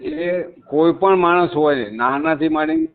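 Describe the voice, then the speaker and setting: A man's voice: a little high, measured pace, slight background noise. A man, a caller on a phone call, talking insistently and repeating his points with emphasis. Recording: tinny phone call recording.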